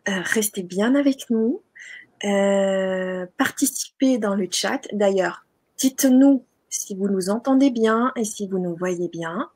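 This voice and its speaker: A woman's voice: mid-range voice, slow pace, a little mellow. A woman hosting a live online interview, welcoming her guest and talking directly to the chat audience. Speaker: host. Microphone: video call.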